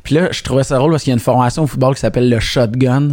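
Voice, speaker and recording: A man's voice: mid-range voice, racing. Give me a chatty man with a Quebec French accent, interviewing a guest casually. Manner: chatty, animated, colloquial. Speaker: host, interviewer.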